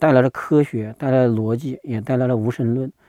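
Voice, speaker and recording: Recorded dry and close with no echo over a quiet background, a man speaks at a medium pitch in a dark, mellow tone. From China, Jiangxi (Ruichang). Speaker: novelist. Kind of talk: interview conversation. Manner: hesitant, many fillers.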